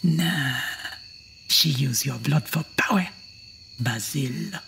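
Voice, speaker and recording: An actress playing a blunt, superstitious old island woman with a gravelly, whispery voice in an audio horror drama. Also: extremely low pitch, takes it slowly, a bit bright, a little hiss or hum, exaggerated voice. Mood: scolding, dark. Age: older.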